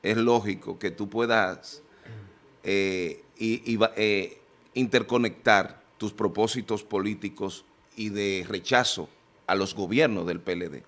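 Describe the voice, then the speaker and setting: A man in a TV studio panel, talking into a desk microphone, pressing his point with forceful questions. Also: on the low side, unhurried. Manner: emphatic, rising to forceful questions. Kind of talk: heated political panel debate.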